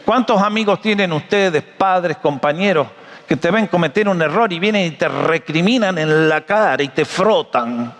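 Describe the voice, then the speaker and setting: A man preaching a sermon, animated and joking, often asking his audience questions. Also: high-pitched, moderate pace, long reverb tail. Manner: animated, jokey storyteller, asks the audience questions.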